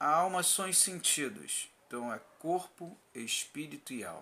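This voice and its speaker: This man's tone is bright and sharp, with lively intonation. He speaks at a fairly slow pace. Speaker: pastor. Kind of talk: testimony. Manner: soft-spoken.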